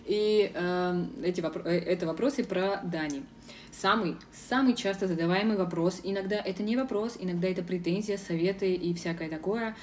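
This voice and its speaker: A young woman from Russia speaks frankly in a casual vlog, pausing often on filler sounds. Her voice sits a little low and sounds soft and mellow. She is recorded outdoors from some distance, with faint street noise behind her. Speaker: vlogger. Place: outdoors in a city square.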